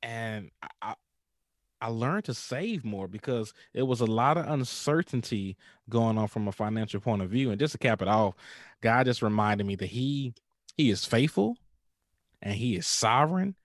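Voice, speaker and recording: A man in his thirties with an African American accent, telling stories in an animated, informal way in a casual podcast interview. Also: on the low side, moderate pace, dry recording, studio quality. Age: 30s. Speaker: pastor and podcaster.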